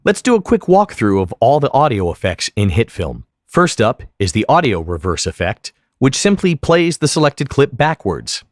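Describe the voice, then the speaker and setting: A man narrating a software tutorial as an instructor, explaining each step methodically. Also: mid-range voice, big pitch swings, normal speed, few pauses, dry recording, clean studio sound. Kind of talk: instructional screen-recording narration.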